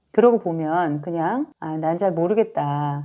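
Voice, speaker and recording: Speaking at a moderate pace, a woman with an unremarkable speaking voice and a fairly low pitch uses lively intonation. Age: 50s. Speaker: retired office worker, personal finance YouTuber. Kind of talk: casual talk to camera.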